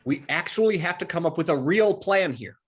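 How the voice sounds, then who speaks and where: A man's voice: on the high side, animated, fairly quick, husky. An actor playing an anxious, earnest teenage boy, plain-spoken and urgent, in a horror comedy script read.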